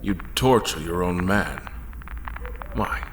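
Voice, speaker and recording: A man playing a grave, determined admiral in an audio horror drama, speaking in a measured, formal, solemn way. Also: low voice, animated, faint music behind, poor audio. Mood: accusing. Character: Admiral Beckett, grave, determined father trapped in haunted manor. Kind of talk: audio horror drama, first-person narration.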